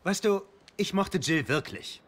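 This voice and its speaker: An actor in a dubbed sitcom playing a brash, blunt housemate, sarcastic and easily exasperated. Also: male voice, high voice, animated, measured pace, fairly bright tone. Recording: noisy sound with clicks.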